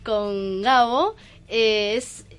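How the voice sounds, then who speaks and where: A woman with a Buenos Aires accent explaining things in a casual radio interview, haltingly and checking that she is followed. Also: medium pitch, smooth. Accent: Buenos Aires Argentine. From Argentina, Buenos Aires province. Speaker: guest, clown theatre performer. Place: radio studio. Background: music.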